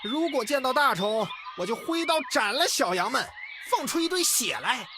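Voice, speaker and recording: A man playing a loud, cruel, gleeful bandit thug in a visual novel, brash and threatening in a theatrical way. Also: very high voice, sing-song, moderate pace, noisy background. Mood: boastful. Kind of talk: voiced visual novel dialogue in Mandarin. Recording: music playing loudly behind.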